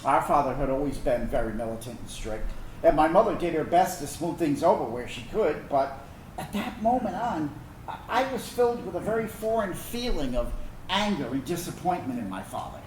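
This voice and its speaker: A man acting in a staged reading as a reflective, wounded but tender gay son of a military family, telling a personal story earnestly and haltingly. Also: fairly high pitch, big pitch swings. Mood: hurt, angry. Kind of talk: dramatic monologue reading of a personal narrative. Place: indoor room, staged reading. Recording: echoey room, distant mic, background noise.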